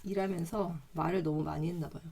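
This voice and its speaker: A woman reading a self-help book aloud in a calm, measured way, adding chatty side comments, her throat slightly hoarse today. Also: lowish voice, a little hiss or hum.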